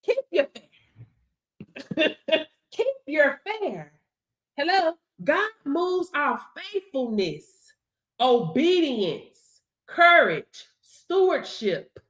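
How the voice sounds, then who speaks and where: A woman teaching a business workshop like a sermon. She talks in a high voice that jumps all over the place, hammering words over and over and breaking into laughter. She keeps calling her audience baby. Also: very animated, very slow, fairly bright tone. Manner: emphatic, repeats phrases, laughs often, calls listeners baby. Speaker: workshop instructor. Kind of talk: preachy motivational workshop talk.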